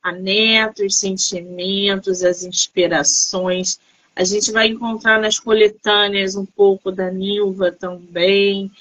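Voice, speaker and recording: A woman's voice: mid-range voice, little pitch movement, slow, fairly bright tone, muffled recording. A woman interviewing an author, with effusive, admiring exclamations in a casual chat.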